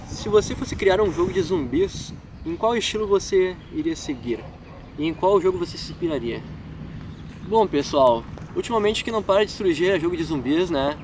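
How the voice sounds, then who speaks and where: A young man with a southern Brazilian gaúcho accent rambles casually through fan questions, his voice sitting high for a guy. He is picked up from a few feet away by a camera mic outdoors, with clear wind and traffic noise around him. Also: normal speed, recorded from a distance. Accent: southern Brazilian gaúcho Portuguese. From Rio Grande do Sul, Brazil. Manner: chatty, lots of filler tags, laughs at himself. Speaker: gaming YouTuber. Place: outdoors in a wooded park.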